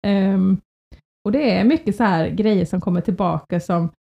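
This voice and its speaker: A woman co-hosting a podcast, telling family stories in a lively, casual way and often breaking into laughter. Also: mid-range voice, gravelly, highs cut off. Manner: lively storytelling, with frequent laughs. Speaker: podcast co-host. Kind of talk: casual chat.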